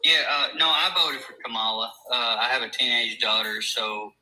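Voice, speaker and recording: A woman's voice: a bass voice, steady tone, moderate pace, pushed and bright, low-quality recording. A middle-aged woman with an Arkansas Southern accent, chatting casually and politely as a caller, with a deferential manner. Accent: Arkansas Southern American. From Arkansas, United States. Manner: deferential, says ma'am often. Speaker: caller on a live stream.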